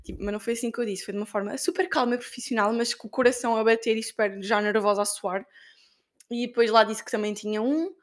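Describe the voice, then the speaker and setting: A young woman with a European Portuguese accent hosts her solo podcast, telling stories in a chatty, animated way full of fillers. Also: on the high side, quick pace. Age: young adult. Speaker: podcast host and student. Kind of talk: casual solo podcast chat.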